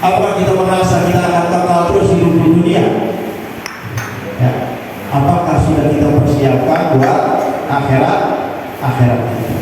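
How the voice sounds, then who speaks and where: A man preaching in a big mosque hall, his voice coming from far off and ringing with a long echo. He speaks in a casual, colloquial way, full of rhetorical questions, and chants Arabic verses. His voice sits a little high, over steady room noise. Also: normal speed, long pauses. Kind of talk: mosque study sermon.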